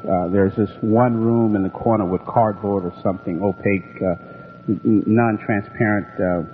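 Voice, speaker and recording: Stammering radio host, lowish voice. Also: male voice, steady tone, normal speed. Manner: stammering restarts, frequent soft mm-hmms. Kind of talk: radio interview. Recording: tinny phone-like radio with long reverb and faint music.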